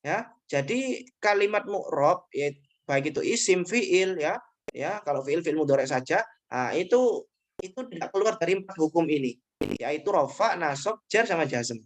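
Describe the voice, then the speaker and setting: A man's voice: a little high, expressive, normal speed. A man teaching grammar in an online class, explaining patiently and repeating each point with short checking tags.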